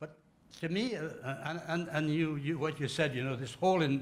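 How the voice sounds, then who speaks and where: A somewhat breathy man's voice with a fairly high pitch. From northern Manitoba, Canada. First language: Cree. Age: 80s+. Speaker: audience member asking a question. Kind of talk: audience question at public talk. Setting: museum event with audience. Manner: halting, many repetitions.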